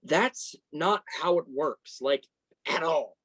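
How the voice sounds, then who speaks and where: A woman's voice: low-pitched, lively intonation, takes it slowly, husky, heavily acted. A woman playing a supportive, self-deprecating young male journalist and best friend in a staged reading of a play. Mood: sympathetic, encouraging.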